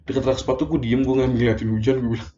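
A man's voice: medium pitch, steady tone, fast talker, dark tone, a little hiss or hum. Young man telling a personal story. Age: young adult. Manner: slangy, emotional retelling with many fillers. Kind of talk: casual personal monologue. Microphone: phone voice message. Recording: roomy, dull lo-fi voice message.

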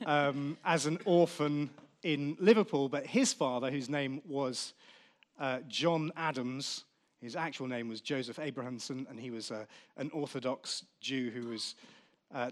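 Male panel chair, wry and jokey, mid-pitch voice. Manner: jokey, self-deprecating, with laughs. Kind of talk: live panel discussion.

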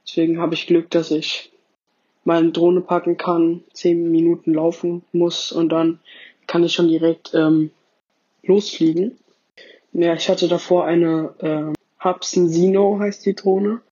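A man's voice: fairly high pitch, flat delivery, a little slow, mellow, breathy edge. A male podcast listener giving a simple personal account in a dull, lo-fi voice message. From Wiesbaden, Germany.

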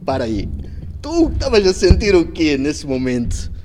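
A man's voice: on the high side, wildly swooping pitch, normal speed, a little mellow, a little hiss or hum. A man with a Mozambican Portuguese accent hosting a podcast, asking teasing questions in a casual chat. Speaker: podcast host.

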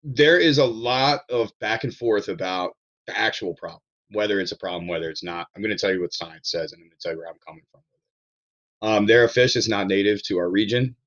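A low-voiced man from Maryland chats on a podcast, circling back over his words and swearing bluntly now and then. The sound is dull and a bit lo-fi. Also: a little fast. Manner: rambling, animated, with frequent restarts and blunt swearing. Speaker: podcast guest, chef. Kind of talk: casual podcast chat.

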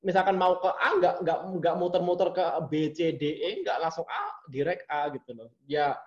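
A man's voice: on the high side, normal speed, highs cut off. A man in casual interview chat, who talks with animation and sometimes mimics blunt, direct speech. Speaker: interview guest.

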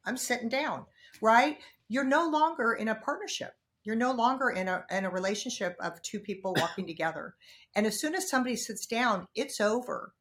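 A woman's voice: a little high, animated, brisk, a bit bright. A woman co-hosting a podcast, speaking earnestly and with emphasis in casual chat. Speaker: podcast co-host.

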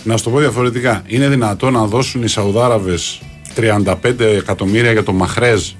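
A man's voice: on the low side, faint music behind. A man co-hosting a Greek sports radio show, joking and sarcastic in casual banter.

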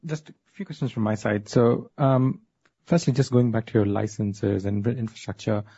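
Husky, low-voiced male analyst. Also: warm tone, lo-fi sound. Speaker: analyst asking questions. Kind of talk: earnings call question, conversational.

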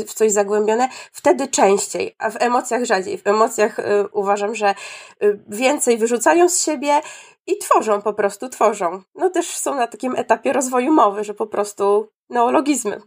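A woman who works at a preschool, telling a story in a relaxed discussion with many fillers and restarts. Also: medium pitch, moderate pace. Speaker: preschool teacher. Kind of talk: casual discussion.

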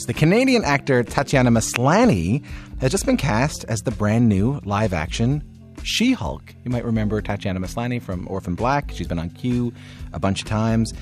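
Lively-voiced male radio host. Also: on the low side. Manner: chatty, jokey. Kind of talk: radio interview and show links.

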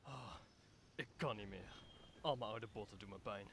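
A young man playing a weary, gentle old man with aching bones in an audio drama. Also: on the low side, moderate pace, gravelly, a little hiss or hum. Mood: exhausted. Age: young adult. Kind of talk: Dutch audio drama of Shakespeare.

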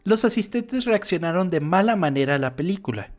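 A man's voice: high-pitched, animated, brisk. A young man with a Mexican accent hosting a casual podcast, reading notes aloud and bantering with his co-host. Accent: Mexican Spanish.

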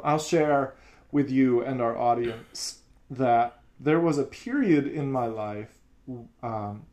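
A man's voice: medium pitch, a little mellow. A man who teaches music, talking in an earnest, reflective way in a casual podcast chat.

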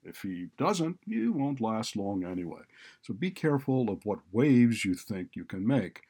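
Audiobook role: bullying male administrator, low pitch, blunt and browbeating, performed by a male narrator. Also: very animated, unhurried, a little mellow, husky, full character voice. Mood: cynical, breezy. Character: cynical, bullying male college administrator, brusque and threatening.

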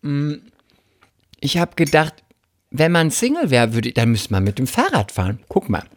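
A man co-hosting a casual comedic chat, telling stories and acting out quotes in a high voice. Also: moderate pace. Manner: animated storyteller, acts out quotes in high voice.

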